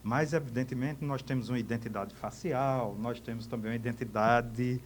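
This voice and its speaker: A man's voice: medium pitch, fairly even intonation, normal speed, a little hiss or hum. A man from Brazil, a TV journalist, interviewing a guest politely and formally. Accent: Brazilian Portuguese. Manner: formal, addresses the guest as "a senhora". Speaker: TV news interviewer. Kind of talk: interview questions and comments. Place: TV news studio.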